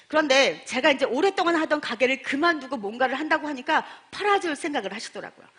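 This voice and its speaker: A middle-aged woman giving a sales testimony as a story, animated, acting out dialogue and quizzing her audience. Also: a little high, slightly rough. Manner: animated, acts out dialogue, asks the audience questions. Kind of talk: storytelling talk to a seminar audience.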